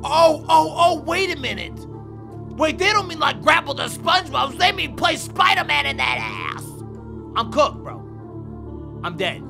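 A man's voice: very high-pitched, sing-song, unhurried, creaky, over music. A man in his thirties giving foul-mouthed, exclamatory, slangy comic commentary while playing a video game. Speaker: gaming streamer. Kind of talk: comic let's play commentary.

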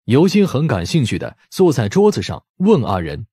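A man's voice: medium pitch, huge pitch swings, normal speed, dark tone, slightly rough, dry recording, clean studio sound. A man reading scripted story narration expressively, as an audiobook narrator.

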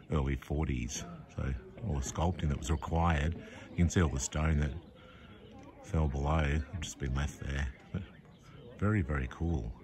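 A man in his fifties with an Australian accent, chatting casually to a phone camera about a road trip. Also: rumbling low. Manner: relaxed, chatty, easily impressed. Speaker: travel vlogger. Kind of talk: casual travel vlog narration. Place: in and around a car, outdoors on a road trip. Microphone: phone camera held at arm's length.

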